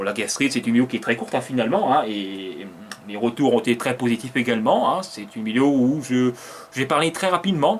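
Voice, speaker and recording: A man speaks at a medium pitch and a fairly quick pace with lively intonation. Noticeable background noise runs behind him. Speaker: YouTuber. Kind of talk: video retrospective commentary. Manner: fast; stuttering.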